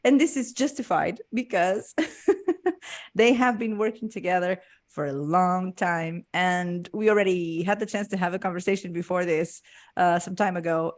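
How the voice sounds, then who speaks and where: A woman hosting a podcast, enthusiastic and quick to laugh, often repeating words as she talks. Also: on the low side. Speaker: podcast host. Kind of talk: casual interview chat.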